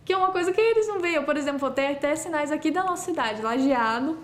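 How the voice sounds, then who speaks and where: Woman, teacher guest on a podcast, fairly high voice, chatty and explanatory. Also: expressive, fast. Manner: explains with everyday examples, frequent "né?". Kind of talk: casual podcast conversation.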